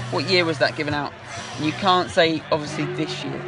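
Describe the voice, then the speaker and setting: A man is speaking while clear music plays in the background. The sound is dry, with no echo. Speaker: show host running a quiz. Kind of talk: casual vlog chat. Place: garden. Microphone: phone near.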